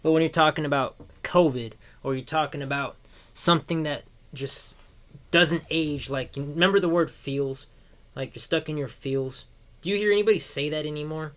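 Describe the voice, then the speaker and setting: A man's voice: a little high, normal speed, fairly bright tone. A young man co-hosting a casual podcast, his voice worn out after a long day, giving blunt, profane opinions. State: voice worn out, tired late at night. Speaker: podcast co-host. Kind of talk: casual chat.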